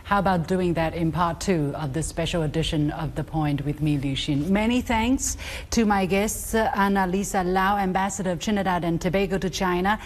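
A woman hosting a talk show interview, lively and quick to marvel and interject. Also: fairly low pitch. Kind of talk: hosted interview conversation.

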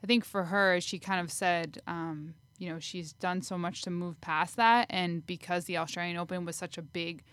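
Clear-voiced woman co-hosting a podcast. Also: fairly low pitch, steady tone, normal speed, hardly any pauses, a bit bright, no room sound. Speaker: podcast co-host. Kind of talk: casual conversational sports podcast.

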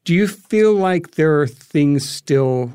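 A man's voice: fairly high pitch, expressive, slow pace, darkish tone, smooth, dry recording, studio quality. A man speaking as an interview guest, reasoning thoughtfully and hesitantly in a conversational way. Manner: hesitant, reflective, hedging as he reasons.

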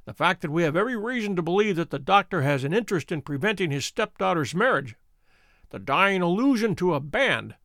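A man voicing a calm, imperturbable detective who speaks with dry wit. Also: high voice, gravelly, no room sound, full character voice. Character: cool, witty adult male detective, calm and bland.

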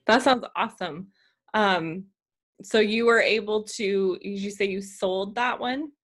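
A woman's voice: medium pitch, measured pace, a bit bright. A woman hosting a business podcast, upbeat and chatty, with a lot of "like" fillers. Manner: upbeat, uses many fillers like "like". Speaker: podcast host. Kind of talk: scripted intro then casual interview.

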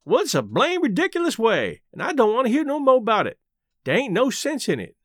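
A man acting Jim, high-pitched stubborn Southern man. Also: wildly swooping pitch, fairly quick, no room sound, studio quality, exaggerated voice. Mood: stubborn, argumentative. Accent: American South. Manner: folksy dialect, emphatic argumentative questioning. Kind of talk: audiobook character voice.

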